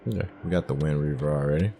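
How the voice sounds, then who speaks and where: Very deep-voiced man giving casual game commentary. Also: racing, creaky, dark tone, slight background noise. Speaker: gaming streamer playing through a game. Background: game music.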